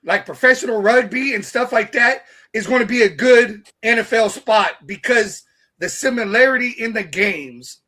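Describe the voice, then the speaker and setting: A man's voice: extremely high pitch, moderate pace, bright, forceful tone. A man co-hosting a casual sports chat, talking in a rambling way with repeated words.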